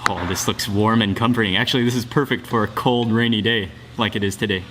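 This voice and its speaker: A man's voice: lowish voice, fairly even intonation, fast talker, very noisy. A man narrating a travel and food vlog in a casual, upbeat way, talking straight to the camera. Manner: upbeat, descriptive, talks to the camera. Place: outdoors and in public places while traveling.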